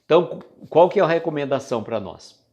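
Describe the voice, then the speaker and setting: A man's voice: on the high side, animated, a little fast, a little mellow, dull audio. Chatty Brazilian man reflecting on patience. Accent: Brazilian Portuguese. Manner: conversational, chatty, greets viewers, loses his thread. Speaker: host of a live stream. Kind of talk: casual spiritual reflection.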